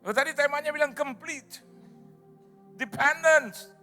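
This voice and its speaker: A middle-aged man preaching a sermon in a church, animated and dramatic, swinging his voice up and down and slipping English phrases into his talk. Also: very high voice, a little slow, faint music behind. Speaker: pastor.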